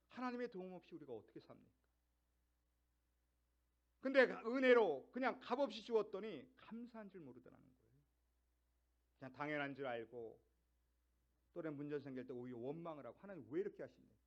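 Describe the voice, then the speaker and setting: Emphatic man preaching a sermon, muffled sound. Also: high voice. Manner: rhetorical questions, rising to emphatic peaks. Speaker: pastor.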